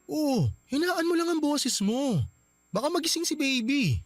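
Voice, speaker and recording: A man's voice: very high-pitched, animated, a little slow, very noisy. A man playing a young husband in a radio drama, defensive and pleading. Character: young husband, soft-hearted and placating.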